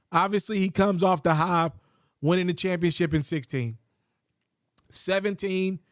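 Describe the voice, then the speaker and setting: A man giving casual, opinionated basketball commentary, his voice a little raspy after just having his wisdom teeth pulled. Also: high-pitched, no room sound, clean studio sound. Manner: quick, opinionated, conversational. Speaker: sports commentator.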